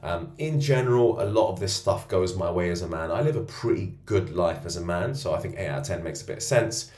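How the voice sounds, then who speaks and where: Deep-voiced boastful man in roomy echo. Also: expressive, a little fast, a little mellow. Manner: boastful and self-assured. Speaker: men's self-improvement coach. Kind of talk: self-rating monologue to camera. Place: co-working space.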